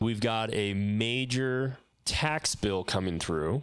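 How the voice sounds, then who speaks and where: The recording is very clean with a silent background. A man speaks in a normal speaking voice, fairly low in pitch with ordinary variation. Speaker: co-host, interviewer. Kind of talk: casual chat.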